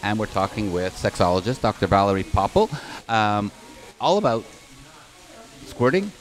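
A man's voice: fairly low pitch, very animated, normal speed, low-quality recording. A man hosting a casual podcast with sponsor reads, recorded in a hotel lobby. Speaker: podcast host.

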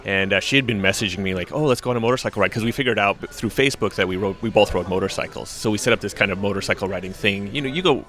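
A man's voice: on the low side, a bit bright, faint music behind. A man in his thirties, a podcast guest chatting casually and agreeing readily. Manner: quick, affirming, lots of mm-hmms. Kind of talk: casual chat.

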